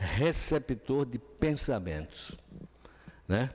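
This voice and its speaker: Speaking very slowly, a man uses lively intonation. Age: old. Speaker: spiritist lecturer. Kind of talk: lecture. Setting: spiritist centre hall.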